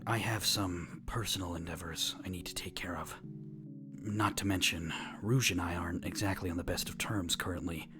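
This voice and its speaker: Brooding hedgehog hero played by a man: extremely deep, stiffly formal and guarded cartoon drama voice, over music. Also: fairly even intonation, normal speed, natural voice. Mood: uneasy, resigned. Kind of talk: animated fan audio drama acting. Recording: music under the voice. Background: background music.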